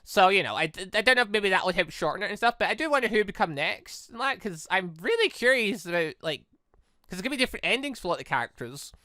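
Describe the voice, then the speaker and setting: A man's voice: high voice, lively intonation, fast talker, sharp tone, dry recording, clean studio sound. A man hosting a let's play, rambling through his commentary with stammered self-corrections. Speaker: gaming video host. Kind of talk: let's play commentary, reading visual novel dialogue aloud. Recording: music behind the voice.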